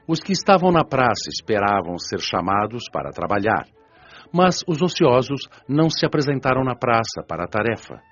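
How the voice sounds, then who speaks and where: A man with a Brazilian accent playing an earnest spiritual preacher, giving a measured, didactic scripted lecture in an audio drama. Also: lowish voice. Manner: solemn, didactic, measured, rhetorical. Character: earnest, solemn male spiritual preacher explaining a parable. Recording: dull lo-fi audio under music. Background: music.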